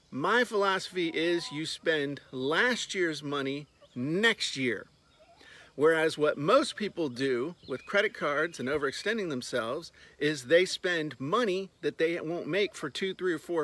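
A business coach in his fifties walks across a farmyard, holding his phone at arm's length for a casual talking-head vlog. His slightly high, bright, forceful voice has lively intonation and an unhurried pace, and he's blunt and sarcastic, breaking into jokey outbursts.

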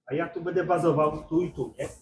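A man's voice: fairly high pitch, steady tone, a little fast, darkish tone. A man helping with welding, giving brief practical instructions in casual work talk, in a garage workshop. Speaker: welder helping the host. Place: small indoor garage workshop. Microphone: far from the camera mic. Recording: distant voice with clear background noise.

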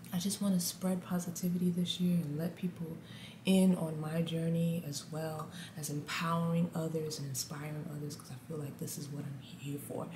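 A woman in her thirties speaks straight to the camera in a deep contralto voice. She talks candidly and with lots of animation, the way you chat with followers. The small room adds a noticeable echo and a faint hum underneath. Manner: candid, animated, says guys a lot. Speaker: vlogger. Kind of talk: casual motivational talk to camera. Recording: echoey room, faint ambient noise.

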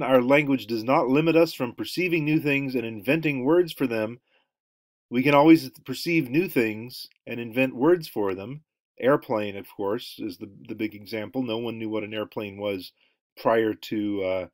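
Middle-aged male lecturer, mid-range voice, casual and halting with fillers, webcam mic in a dry home room. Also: medium pitch, no echo. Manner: rambling, many ums and uhs. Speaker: anthropology lecturer. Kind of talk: recorded online lecture over slides.

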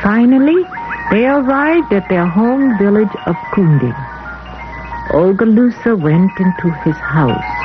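A woman playing a mother who tells her children an old folktale in measured, deliberate storytelling, on a muffled old film soundtrack. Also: medium pitch, expressive, natural voice. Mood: solemn storytelling. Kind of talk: scripted folktale narration. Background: music.

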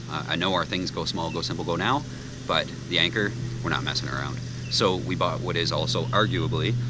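Low-voiced man vlogging on a sailboat. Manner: relaxed, joking, many ums and uhs. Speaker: vlog host, liveaboard sailor. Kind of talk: casual how-to vlog narration. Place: sailboat at a marina, cabin and deck. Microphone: handheld action camera close to the face. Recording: loud wind and handling noise.

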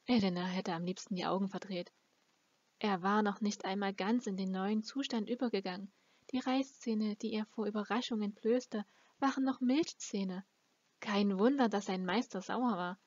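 A woman's voice: medium pitch, moderate pace, a little mellow, no room sound. A woman reading a fantasy novel aloud as an amateur audiobook narrator. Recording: dull, lo-fi close recording.

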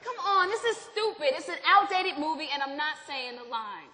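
An actress playing a nervous, exasperated wife in a stage play, pleading and flustered. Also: female voice, high-pitched, lively intonation, moderate pace, sharp tone, a faint crowd. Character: Gloria, nervous, exasperated wife under her husband's thumb. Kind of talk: theatrical stage play acting. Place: stage in a theatre hall. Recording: echoey theatre hall.

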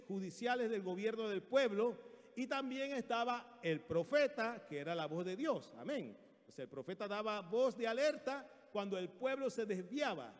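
A high, lively male voice preaching, rising and falling in dramatic swings as he acts out scenes. The sound rings with long reverb, as in a large church sanctuary. He keeps calling for amens from the congregation. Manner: animated, dramatic, acts out quotes, calls for amens. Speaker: pastor. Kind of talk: sermon.

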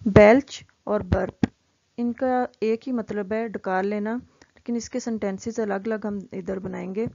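A woman teaching vocabulary, explaining each word and reading the example sentences out very slowly and deliberately. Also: medium pitch, steady tone, creaky, mellow, highs cut off.

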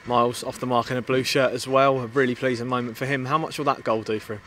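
Rapid-fire male interviewer, flat delivery. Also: mid-range voice. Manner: brisk, neutral questioning. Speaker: club media interviewer. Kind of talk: post-match interview questions. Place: outdoors on a floodlit football pitch at night.

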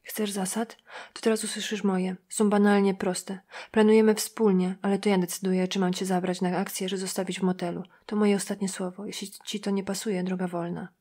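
A woman voicing a volatile, sharp-tongued young woman who talks in a brash, mocking way, in an audiobook. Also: medium pitch, flat delivery, a little fast, close to an everyday voice. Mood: defiant.

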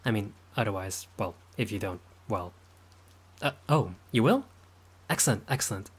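A friendly vampire lord of a manor, as a man plays him, caring and eager to please. His voice sits a little low, polite and upbeat, now and then flustered. An audio roleplay spoken straight to the listener. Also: animated, moderate pace, breathy edge. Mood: excited.

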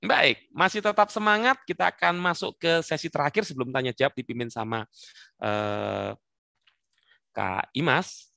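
A man leading an online work-habits workshop, coaxing participants by name in a lively, teasing way over a video call. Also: on the high side, moderate pace, creaky, dry recording, studio quality. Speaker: webinar trainer. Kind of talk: interactive online workshop talk.

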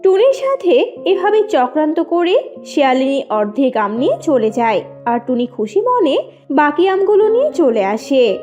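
A woman's voice: high-pitched, very animated, moderate pace, mellow, highs cut off, soft background music. A woman narrating a scripted children's cartoon story.

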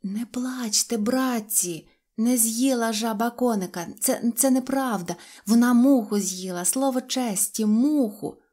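A woman's voice: medium pitch, moderate pace, hardly any pauses, dark tone, lightly acted. A woman voicing a sensible little boy who insistently comforts his crying friends. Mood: reassuring. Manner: earnest, insistent reassuring.

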